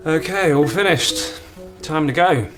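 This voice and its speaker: A man's voice: fairly high pitch, a little slow, natural voice. A man playing a young gym-goer, music behind. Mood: casual.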